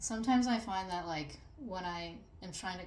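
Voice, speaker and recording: Room echo is audible as a woman speaks at a moderate pace. Her pitch is medium, with ordinary variation. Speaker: vlogger sharing self-care tips. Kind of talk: casual talking-head video. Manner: halting, with repeated words and fillers.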